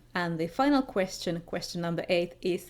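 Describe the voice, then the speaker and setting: Moderate pace with a Finnish accent. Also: woman. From Finland. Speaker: book vlogger. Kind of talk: casual video monologue.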